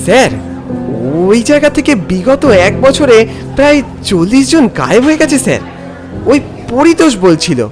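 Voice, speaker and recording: Anxious male sidekick, played by a man, high and respectful, stumbling over his words, animated horror cartoon with music. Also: unhurried, exaggerated voice. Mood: nervous, hesitant. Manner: hesitant, stammering, respectful. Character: nervous, deferential male film assistant, anxious and hesitant.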